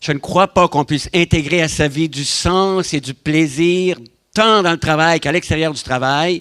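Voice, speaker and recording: Fairly slow speech with a Canadian French accent, dry and close with no echo, on a very clean recording with a silent background. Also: man. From Quebec, Canada. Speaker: physician and workplace mental health consultant. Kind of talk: public lecture. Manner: humorous.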